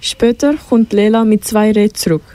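A woman's voice: mid-range voice, flat delivery, normal speed, mellow, no room sound. A teenage girl narrating a school radio play, reading the story steadily. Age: teens.

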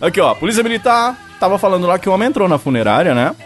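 A man's voice: sits high, big pitch swings, very fast, faint music behind. A Brazilian man co-hosting a podcast, playful and slangy as he brings in a news story. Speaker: podcast co-host. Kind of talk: casual podcast banter.

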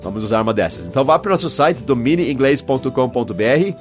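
A man's voice: medium pitch, expressive, faint music behind. Man teaching in a casual podcast. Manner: explains slowly, spells words letter by letter. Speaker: English teacher and podcast host. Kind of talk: casual podcast English lesson.

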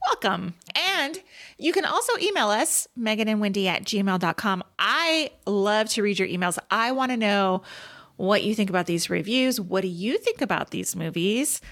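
Woman co-host, lively sing-song pitch, chatty, asks lots of questions. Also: moderate pace. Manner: chatty and expressive, with frequent questions. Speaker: podcast co-host. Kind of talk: casual chat.

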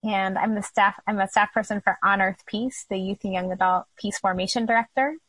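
A woman's voice: medium pitch, fairly even intonation, a little fast, fairly bright tone, breathy edge, dry recording, poor audio. An American woman in her thirties introducing herself in a casual, conversational way as a panel guest.

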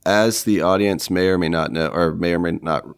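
A man co-hosting a podcast in casual chat, with a raspy, wheezy smoker's rasp from a night of heavy smoking and a rambling, halting way of explaining. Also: low-pitched, fairly even intonation. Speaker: podcast co-host.

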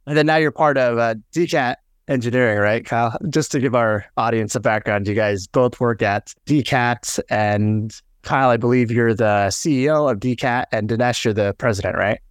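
A man's voice: medium pitch, moderate pace, dry recording, studio quality. A man hosting a podcast, welcoming guests and asking friendly questions. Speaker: podcast host. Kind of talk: interview questions.

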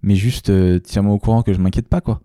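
A man's voice: fairly low pitch, steady tone, brisk, mellow, no room sound, studio quality. A man co-hosting a couple's show in casual chat, playful and talking straight to his listeners. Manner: playful, addresses the audience directly.

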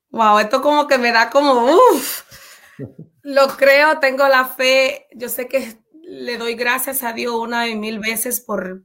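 A woman's voice: fairly high pitch, fairly bright tone. A woman coach speaking in an interview with fervent, religious conviction. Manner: fervent, religious, quick-talking. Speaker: guest coach. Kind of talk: casual interview testimony.

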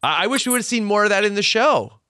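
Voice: mid-range voice, expressive, fast talker, bright, forceful tone. A podcast host interviewing a guest, with frequent short affirmations. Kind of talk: casual interview.

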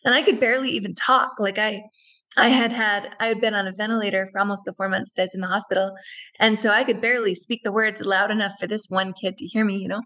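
A woman's voice: medium pitch, steady tone, fast talker, bright, forceful tone, rough recording. A woman guest in a radio interview who tells a personal story earnestly and reflectively, often repeating phrases.

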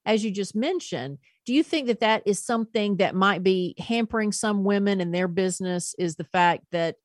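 A woman's voice: medium pitch, normal speed, no echo, clean studio sound. A woman hosting a podcast, asking long questions with a few restarts. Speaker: podcast host. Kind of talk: interview questions.

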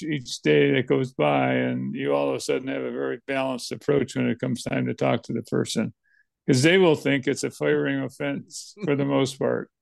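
A man with a very gravelly, creaky voice giving practical management advice in a calm, easygoing way. The sound is close and dry. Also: mid-range voice, dry recording. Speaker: business podcast co-host. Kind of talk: conversational business advice.

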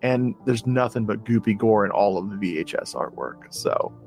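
A man's voice: fairly low pitch, expressive, normal speed, creaky, darkish tone. Guy on a podcast gushing about movies, keeps restarting, faint music in the back. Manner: rambling, enthusiastic, frequent restarts. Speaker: podcast co-host. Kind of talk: casual chat about horror movies.

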